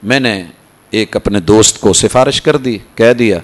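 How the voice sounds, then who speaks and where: A man with a Punjabi accent preaching a Quran lesson sermon in a mosque, climbing to emphatic peaks and then dropping into low, quick asides.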